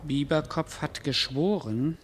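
An impersonal radio play chronicler with a fairly high voice. He declaims formally and precisely like an official announcer, and long reverb trails behind him. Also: takes it slowly, a little hiss or hum. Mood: solemn. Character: impersonal chronicler reciting reports and verdicts.

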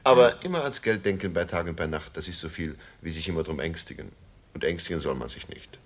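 Low husky guy a jovial traveling businessman holding forth at the table, radio drama. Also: fast. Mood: dry, knowing. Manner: opinionated, sententious, anecdotal. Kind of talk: German radio play acting.

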